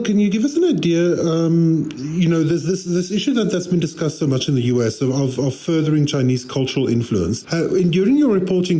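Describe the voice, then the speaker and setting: A man hosting a discussion panel, putting a question to a guest in a halting way and repeating words. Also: a little high, mellow. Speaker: host.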